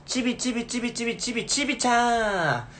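A man's voice: very high-pitched, fairly quick, a bit bright, slight background noise. A man in his twenties chatting casually on a livestream, playfully repeating short phrases into a phone. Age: 20s. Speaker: live streamer chatting with viewers. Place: small room indoors. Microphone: phone at arm's length.

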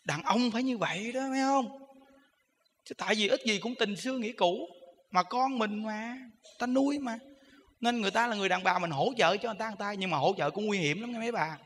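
A male Buddhist monk with a Southern Vietnamese accent gives a sermon in a high, bright voice. He talks in a humorous, chatty way and keeps asking his listeners rhetorical questions. His voice rings with long reverb in an echoey hall. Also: quick pace. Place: temple hall.

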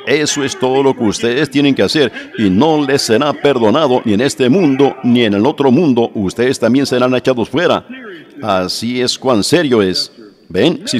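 Male preacher, mid-range voice, emphatic repetitive sermon delivery. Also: mid-range voice. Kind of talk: sermon in Spanish translation.

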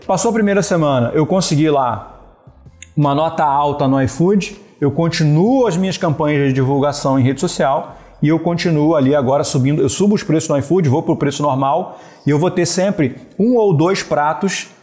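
A Brazilian man in his thirties coaches his viewers on running a business, talking to camera with lively hand gestures. His voice sits fairly high for a man. He keeps checking in with quick tag questions, recorded on an earphone mic in a small room. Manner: animated, gesturing, steady talk punctuated with "né?" and "beleza". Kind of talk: direct-to-camera business advice. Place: small indoor room with wooden slat wall. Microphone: wired earphone headset mic.

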